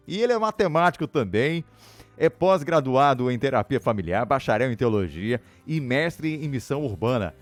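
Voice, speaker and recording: A man hosting a radio program in a studio, chatty and laughing often. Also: on the high side. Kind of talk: casual radio studio chat.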